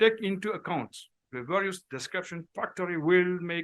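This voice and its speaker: In a French accent, a man with a high pitch and ordinary pitch variation talks at a moderate pace, the sound dry and close with no echo. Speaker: professor presenting at a medical conference. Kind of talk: conference presentation and Q&A. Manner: halting.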